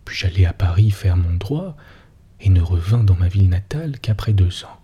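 A man narrating a story in a breathy near-whisper. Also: deep voice, expressive, moderate pace, warm tone.

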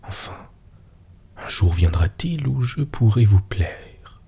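A man voicing a drunk, bashful older male tutor in a breathy near-whisper, as whispered role-play. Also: lowish voice, animated, takes it slowly, warm tone, full character voice.

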